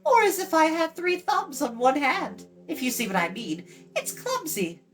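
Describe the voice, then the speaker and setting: A woman's voice: high voice, sing-song, normal speed, fairly bright tone, soft background music, voice pushed up. A woman voicing a chatty, blunt young girl in a fantasy storybook, in a light, musical voice with a breezy manner. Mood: indignant, blunt. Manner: breezy, talkative, matter-of-fact. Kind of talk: children's fantasy storybook reading.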